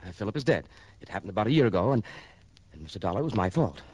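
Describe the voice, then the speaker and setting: A twitchy man in his thirties in an old radio play who stammers and repeats his words. His voice is lowish and he talks quickly. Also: very animated, darkish tone, breathy edge, no echo, low-quality recording. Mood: nervous. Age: 30s. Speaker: client's brother. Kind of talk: 1960s radio drama acting.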